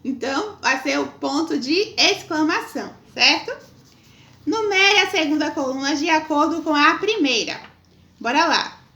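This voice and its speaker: A Brazilian woman teaches young pupils in a high, bright, forward voice. She dictates sentences and their punctuation piece by piece, tagging on short questions to check. The recording is roomy and echoing. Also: expressive. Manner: dictating, reading out slowly and spelling out each mark. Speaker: primary school teacher. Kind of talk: lesson going through punctuation exercises.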